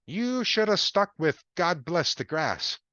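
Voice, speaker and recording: A man's voice: high-pitched, very animated, slow, bright, forceful tone, no room sound, highs cut off, pitched above the performer's own voice, full character voice. A man doing a folksy sinister lawnmower man. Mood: reproachful. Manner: folksy drawl, falsely kind and reproachful. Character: sinister naked male lawnmower man, folksy nature spirit.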